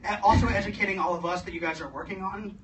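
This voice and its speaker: A man in the audience, hoarse and losing his voice, speaking enthusiastically. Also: sits high, steady tone. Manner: enthusiastic, fast. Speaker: audience member asking a question. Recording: distant with faint noise.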